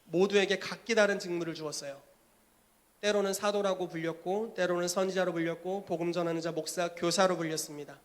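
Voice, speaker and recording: A male pastor preaching a sermon in an animated way, acting out scenes as he goes. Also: sits high, fairly quick.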